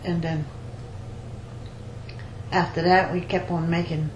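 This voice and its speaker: Halting older woman in an echoey room. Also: fairly low pitch, level tone. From rural Louisiana, United States. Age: 70s or older. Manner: halting, repeats phrases. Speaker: basket maker interviewee. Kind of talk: oral history interview, personal recollection. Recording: roomy echo, faint background noise.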